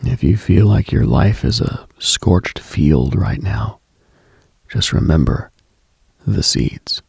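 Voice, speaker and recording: A man with a very low voice full of heavy vocal fry delivers an intimate late-night radio monologue. His reflective, hushed delivery is extremely husky and breathy, as a host musing on spiritual matters. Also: lively intonation, slow, no echo, clean studio sound.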